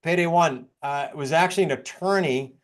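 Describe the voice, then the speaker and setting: A middle-aged or older man from New England, with an American accent and a slightly high voice, presents case studies as a real estate coach. He talks fast and keeps things informal.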